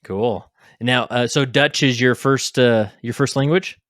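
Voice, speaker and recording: A man's voice: medium pitch, measured pace, a bit bright, no echo, clean studio sound. A man hosting a podcast interview in a casual, upbeat way, with loose fillers like "you know.".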